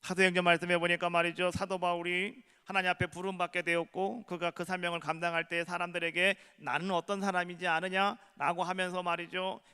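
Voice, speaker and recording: A male pastor delivers a sermon in a church, his voice bright, forceful and fairly high. He moves from slow, hushed storytelling to loud, fervent pleas. The sound carries a long church-hall echo. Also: clear, resonant tone. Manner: storytelling preacher who slows down and softens, then swells loud and fervent. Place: church sanctuary.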